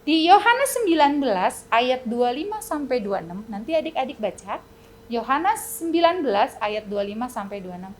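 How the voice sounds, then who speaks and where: A woman teaching Sunday school, telling a dramatic story to children, swinging between loud and hushed. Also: high-pitched, very animated, brisk, slight background noise.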